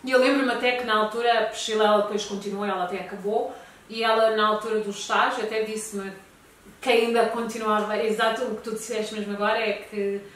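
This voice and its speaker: A woman's voice: medium pitch, fairly even intonation, fast, a bit bright. A woman chatting casually as a guest, in a hesitant way that repeats phrases. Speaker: talk show guest. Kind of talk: casual conversation between friends. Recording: very echoey room, distant mic, faint noise.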